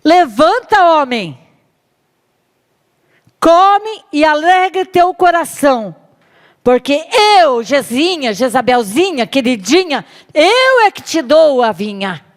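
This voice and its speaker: A woman's voice: sits high, sing-song, slow pace, voice pushed up, exaggerated voice. A woman with a Brazilian accent voicing a domineering, impatient biblical queen. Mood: commanding. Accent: Brazilian Portuguese. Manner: bossy, impatient, commanding.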